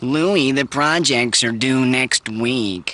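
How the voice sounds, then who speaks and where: At a very slow pace, the speaker puts on a cartoonish character voice. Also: man, medium pitch for a man. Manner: measured, stern.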